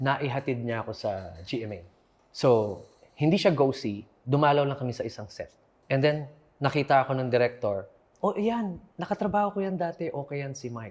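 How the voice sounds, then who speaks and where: On a very clean recording with a silent background, a man with a somewhat breathy, fairly high voice moves at a moderate pace through very wide pitch swings. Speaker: actor and fight director. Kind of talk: testimony.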